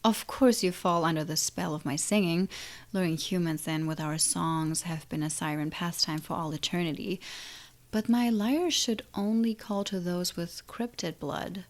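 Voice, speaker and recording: A woman's voice: on the low side, steady tone, moderate pace, natural voice. A woman playing an ancient, menacing siren in an audio drama, taunting and condescending with a theatrical drawl. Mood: intrigued, gloating. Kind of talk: audio drama villain acting.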